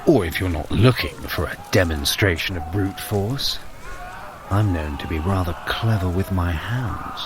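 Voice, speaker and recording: A man's voice: deep voice, measured pace, background noise. An actor playing a sly, witty god prince and scheming flirt in an audio drama, wry and courtly in his phrasing. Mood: suave, flirtatious. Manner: wry, smooth-talking, courtly archaic phrasing.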